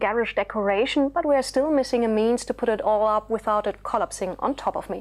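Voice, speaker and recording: Speaking in a German accent, a woman with a high voice moves at a fairly quick pace. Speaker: web show host. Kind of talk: scripted show presentation. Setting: studio.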